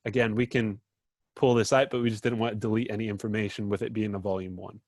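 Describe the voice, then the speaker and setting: A man's voice: on the low side, level tone, fast, a little mellow. A man with a British accent walks through a data dashboard while sharing his screen on a video call, informal and full of fillers. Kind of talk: screen-share presentation in a video meeting.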